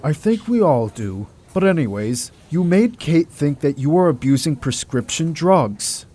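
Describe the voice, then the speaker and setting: A man's voice: fairly high pitch, expressive, measured pace, warm tone. A man playing a courteous but stern senior male doctor in an audio drama, with formal diction. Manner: formal, polite, firm. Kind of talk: amateur audio drama acting.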